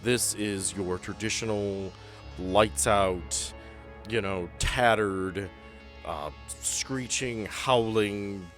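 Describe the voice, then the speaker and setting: A man narrating as game master of a tabletop horror game, describing scenes with deliberate, tension-building pauses. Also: fairly low pitch, fairly bright tone, soft background music.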